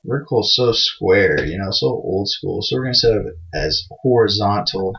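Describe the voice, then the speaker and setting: A creaky, fairly low-pitched man hosts a casual coding screencast at a moderate pace, expressive and self-mocking, with many fillers in his chatty talk. His mic is lo-fi and sounds dull.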